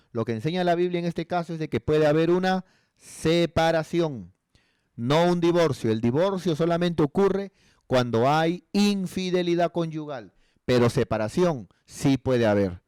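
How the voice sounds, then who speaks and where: A man's voice: fairly high pitch, lively intonation, normal speed, a little mellow, clean tone, dry recording, studio quality. Earnest male pastor, conversational. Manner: earnest, conversational, rhetorical tag questions. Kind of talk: pastoral counseling sermon.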